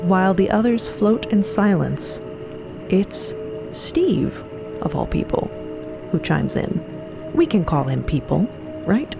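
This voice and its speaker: Female audio drama narrator: wry, playful, conversational, vocal fry, expressive melody. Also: mid-range voice, slow pace, pauses often, music in the background.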